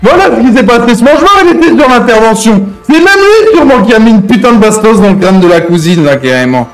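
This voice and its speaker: A man's voice: very high-pitched, expressive, fast, soft background music, low-quality recording. A man playing an aggrieved, crude, threatening hostage-taker out for revenge in an improvised online game roleplay, swearing and repeating his verbal tics. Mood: vengeful. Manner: verbal tic-laden, crude, ranting, swearing.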